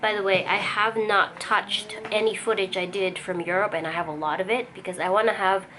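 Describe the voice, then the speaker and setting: This young artist vlogger, lightly Filipino-accented, has a medium-pitched voice that sounds pushed and bright, brisk with fairly even intonation. Working in her home art studio, she chats casually and thinks aloud as she organizes her stock amid a noisy room ambience.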